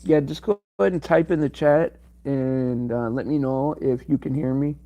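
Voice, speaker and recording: A man talking on his own livestream, his voice strained and cracking from wear. He rambles in halting bits, full of fillers and restarts, with a dark, mellow tone into a home computer mic. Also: medium pitch. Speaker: livestream host. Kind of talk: casual livestream chat.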